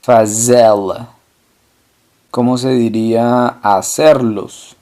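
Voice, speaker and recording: A man teaching a language lesson, asking questions and then answering them himself, slowly repeating each example word. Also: medium pitch, a little mellow.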